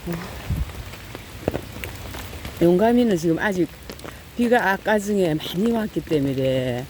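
A woman's voice: on the low side, lively intonation, a little slow, darkish tone, low-quality recording. Middle-aged woman vlogging outdoors in the rain. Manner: talks fondly to cats in a raised coaxing voice, lots of fillers. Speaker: cat-feeding vlogger. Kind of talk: casual narration while feeding cats. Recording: light rain noise outdoors. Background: rain falling.

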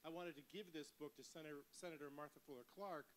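A man giving a short, earnest, slightly halting thank-you speech in a hall full of people. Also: fairly high pitch, steady tone, a little hiss or hum. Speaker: event organizer thanking a senator. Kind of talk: speech at a public event. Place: event hall with audience, indoors.

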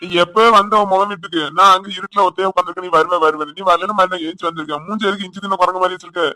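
A man voicing a grumbling village father-in-law in a cartoon, loud and complaining with a Tirunelveli Tamil accent. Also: high-pitched, fairly even intonation, rapid-fire, dry recording.

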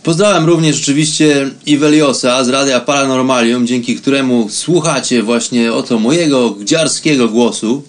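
A man from Poland with a medium-pitched voice hosts a radio program. He talks informally and reflectively, as if improvising a monologue. His phrasing is chatty and unhurried.

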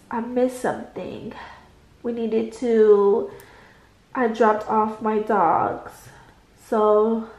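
A woman's voice: a little high, a little mellow, reverberant. A woman with a stuffy, congested voice chatting casually to her viewers as she fills in a budget planner, calling them y'all. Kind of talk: casual chat while writing in a planner. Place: indoors at a desk at home, late at night.

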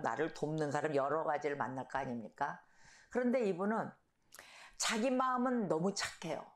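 A middle-aged woman pastor preaching a sermon, telling stories and acting out shouted quotes. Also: lowish voice. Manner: storytelling, animated, acts out shouted quotes. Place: church sanctuary. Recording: echoey church hall.

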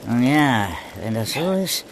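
Actor as sly, greedy German-radio-play informant. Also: male voice, medium pitch, expressive, unhurried, noisy background. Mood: smug, businesslike. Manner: mocking, cocky, haggling. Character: sly, greedy male police informant nicknamed the Magpie.

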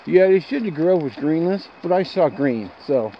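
A man with a creaky voice chatting casually and off the cuff as he vlogs outdoors on a trail, with dry asides. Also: a little high, moderate pace. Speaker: hiking vlogger. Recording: dull lo-fi outdoor sound, steady noise.

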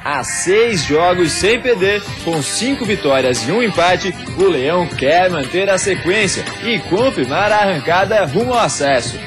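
A man narrating a scripted sports news report with a brisk, emphatic delivery. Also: sits high, animated. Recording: voice-over with music bed. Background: music.

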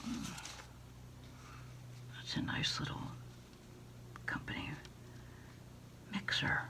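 Slow whispering American woman. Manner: unhurried, hesitant, pausing as if listening to a caller. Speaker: ASMR creator role-playing a food delivery order taker. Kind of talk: whispered ASMR phone order role-play.

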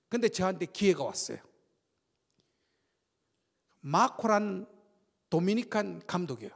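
An older man giving a lively sermon testimony in a church, telling stories with shouts and sound effects. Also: high-pitched, vocal fry. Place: church sanctuary. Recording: long church-hall reverb.

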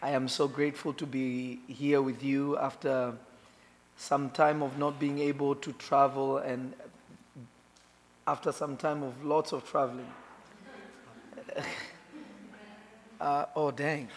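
A man, a prophet and pastor, greeting viewers in a relaxed, halting teaching talk with many fillers. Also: mid-range voice, long reverb tail.

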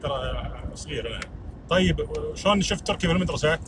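A young man hosting a livestream from a car at night, talking fast and politely on a phone call. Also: fairly high pitch, expressive, recorded from a distance, noisy background. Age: young adult. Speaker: livestream host. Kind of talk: casual livestream chat. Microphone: phone camera at arm's length.

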